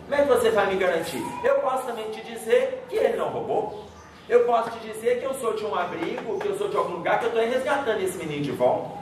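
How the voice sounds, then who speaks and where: A man's voice: high voice, quick pace. A man giving a lecture, telling a story and checking in with the audience. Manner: storytelling, acts out dialogue, frequent "tá?" check-ins. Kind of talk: spiritist lecture with audience questions. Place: lecture hall. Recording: echoey hall from far off, noisy.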